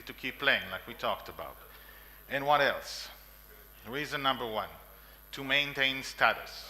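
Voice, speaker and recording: A man in his forties with an Israeli accent gives a conference talk in a meeting room, his medium-pitched voice sharp in tone against slight background noise. He is emphatic, repeats lists, and coughs and uses fillers often.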